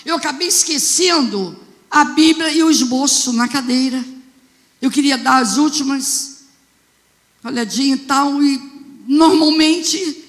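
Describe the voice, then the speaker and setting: A woman with a Brazilian accent, a bishop telling a story in a sermon, fervent and swelling into loud exclamations. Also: sits high, a little slow. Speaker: bishop preaching. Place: church sanctuary. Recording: long church reverb.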